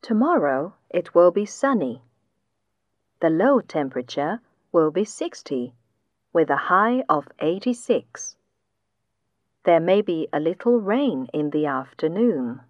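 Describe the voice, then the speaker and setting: A woman reading a weather report slowly and clearly for a listening test, with a dull lo-fi sound like AM radio. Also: fairly low pitch, big pitch swings, dry recording. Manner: slow, deliberate, clearly enunciated reading. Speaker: test passage reader.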